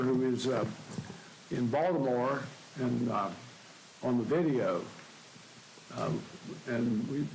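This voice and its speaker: An older man speaking as a presiding judge in a courtroom, halting often with hesitations and repeated words. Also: medium pitch, creaky, a little mellow, low-quality recording. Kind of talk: courtroom opening remarks. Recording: faint hiss.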